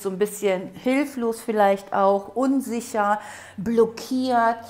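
Hoarse woman giving a tarot reading. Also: medium pitch, darkish tone. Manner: repetitive, coaxing, addresses viewer directly. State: hoarse after a cold. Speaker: tarot reader. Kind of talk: interactive tarot reading to camera. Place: room at a table with candles.

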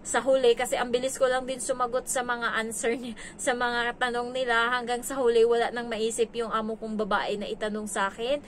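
A woman from the Philippines chats through stories from her work as a domestic helper, acting out what others said along the way. Her voice sits a little high, with a faint hum of noise behind it. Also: flat delivery, brisk, hardly any pauses, a bit bright. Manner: chatty, acts out quoted dialogue. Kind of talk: casual storytelling vlog.

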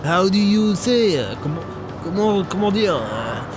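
An actor playing a cryptic French taxi driver in a radio drama, with a French accent and halting, searching speech. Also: male voice, high voice, sing-song, over music. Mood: musing, cryptic. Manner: halting English with searching pauses.

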